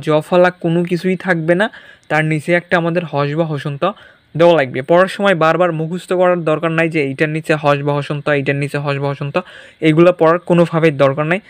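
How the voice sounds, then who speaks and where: A man's voice: fairly high pitch, no room sound. A young man teaching an exam-prep language lesson in a casual way, often saying "okay" and mixing in English words. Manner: casual, repeats "ঠিক আছে", mixes in English words. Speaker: online tutor.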